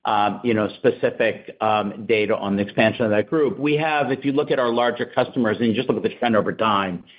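Male company executive, lowish voice, measured and hesitant investor answers, lo-fi conference line. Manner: halting, careful. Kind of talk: earnings call answers. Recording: dull, lo-fi conference call audio.

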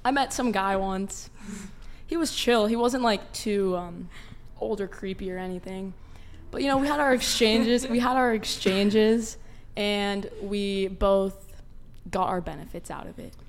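A woman's voice: mid-range voice, measured pace. A nineteen-year-old woman chatting casually as a panel guest, youthful and informal, often saying "like". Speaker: panel guest, college student. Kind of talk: casual chat.

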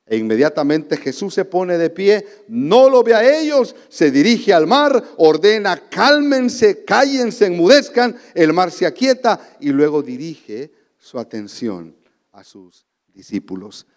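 Honduran male pastor, emphatic sermon delivery, loud peaks and hushed drops, fairly high voice, reverberant sanctuary. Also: sing-song, measured pace. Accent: Honduran Spanish. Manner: emphatic preaching, swings between loud exclamations and soft low asides. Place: church sanctuary. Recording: long church reverb.

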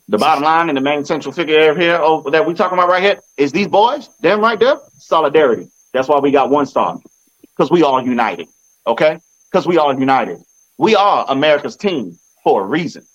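Brief: a boastful man hyping his team on a phone video, slightly high voice, muffled lo-fi sound. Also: fairly bright tone. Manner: boastful, repetitive, swaggering trash talk. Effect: recorded on a phone. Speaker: sports fan vlogger. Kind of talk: casual football trash talk.

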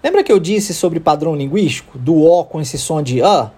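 Husky Brazilian male English teacher, patient explainer for a podcast lesson. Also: fairly high pitch, lively intonation, normal speed, mellow. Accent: Brazilian Portuguese. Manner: explanatory, checks in with "tá?" and "ok?".

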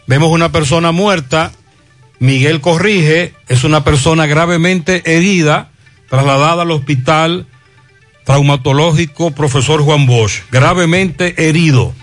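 A Dominican man hosts a live morning radio show. His voice sits on the high side for a man. He chats and reads out greetings with music playing behind him. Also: measured pace.

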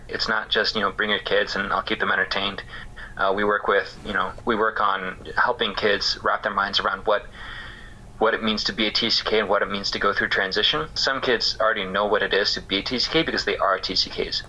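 A man shares his story as an interview guest, pausing often and restarting his thoughts. His voice is low-ish yet strikingly bright and forward. He sounds casual and searching rather than polished. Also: steady tone, poor audio. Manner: thoughtful, halting, many fillers. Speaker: interview guest, missions care worker. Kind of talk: casual reflective interview talk.

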